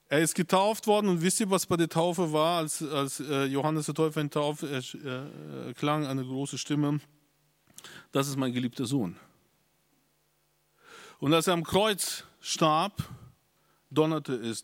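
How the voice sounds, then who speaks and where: A man's voice: a little high, dry recording, studio quality. A pastor preaching a sermon to his congregation, emphatic and insistent at times, with hesitant restarts along the way. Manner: emphatic, rising to insistent peaks.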